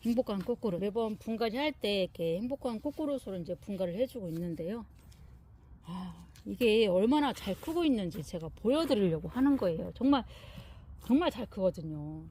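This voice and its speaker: A woman's somewhat breathy, dark, mellow voice at a moderate pace, with very wide pitch swings and long, frequent pauses. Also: medium pitch for a woman. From Chungcheong, South Korea. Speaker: succulent-growing vlogger. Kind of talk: casual chat while repotting plants.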